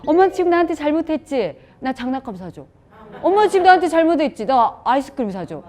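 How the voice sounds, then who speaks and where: A woman's voice: high-pitched, big pitch swings, fast talker, darkish tone, voice pushed up. A woman voicing a small child who pesters a parent, with a whiny, insistent manner. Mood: whiny demanding. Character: demanding little child pestering mom.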